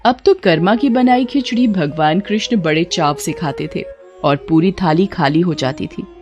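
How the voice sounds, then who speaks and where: A woman narrating a scripted devotional story in an even, clear storytelling voice. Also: on the low side, moderate pace, dull audio. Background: faint background music.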